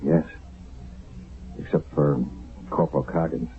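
An actor playing a firm, practical American army sergeant in a radio drama, terse and weary. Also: male voice, a bass voice, fairly even intonation, unhurried. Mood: sombre. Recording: tinny, narrow old radio broadcast.

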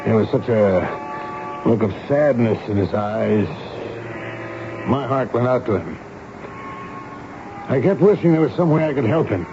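An actor playing a kindly, measured army major, a fort commandant with educated speech, in a 1970s radio drama. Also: male voice, medium pitch, animated, music in the background. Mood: wistful, reflective. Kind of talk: 1970s radio drama acting, first-person narration and dialogue. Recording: dull, noisy old radio broadcast recording.

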